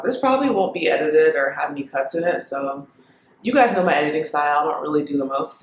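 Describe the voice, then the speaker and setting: A young woman from Kenya who grew up in the United States, talking casually to camera, thinking aloud with pauses and fillers. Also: low voice, roomy sound, a little hiss or hum, low-quality recording. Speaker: vlogger.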